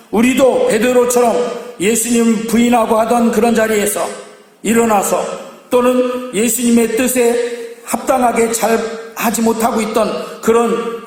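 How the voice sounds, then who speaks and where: A man preaching a Sunday sermon as pastor, emphatic and lively, acting out quoted lines. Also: very high-pitched. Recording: echoey church hall.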